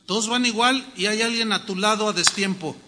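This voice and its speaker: A man with a Mexican accent preaching a sermon to his congregation, telling stories in a humorous, animated way. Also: sits high, fairly quick, long reverb tail, background noise. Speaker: pastor. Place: church hall.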